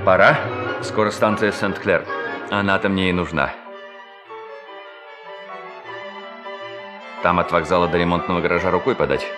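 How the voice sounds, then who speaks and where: A man acting in a radio play as a charming, glib, scheming young bank clerk, with a jovial, flattering, theatrical manner. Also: low voice, lightly acted. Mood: quietly calculating.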